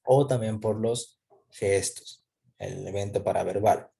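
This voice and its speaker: A man's voice: fairly low pitch, measured pace, vocal fry, mellow. A man teaching a lesson, explaining step by step, posing questions and answering them himself with frequent check-in tags.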